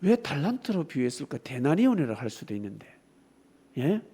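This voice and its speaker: A man preaching a sermon with a fairly high, very lively voice. He shifts from loud, emphatic declarations to quieter asides and keeps turning to the congregation with rhetorical questions. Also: fairly quick, husky. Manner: emphatic preaching, swinging between loud exclamations and softer asides. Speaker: pastor.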